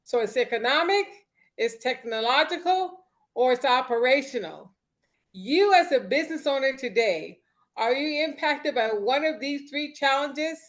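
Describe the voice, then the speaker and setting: High-pitched woman, topics master, measured and explanatory, on a call. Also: lively intonation. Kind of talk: asking discussion questions. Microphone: video call.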